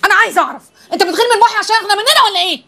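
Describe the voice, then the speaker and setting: An actress playing a fed-up young wife with an Egyptian accent, scolding rapidly. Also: female voice, very high-pitched, sharp tone, exaggerated voice. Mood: complaining. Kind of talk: film comedy acting.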